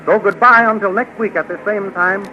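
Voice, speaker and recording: A man announcing and narrating a 1930s radio serial in a bright promotional manner, recorded on a dull old radio broadcast. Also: sits high, fairly even intonation, normal speed, soft background music.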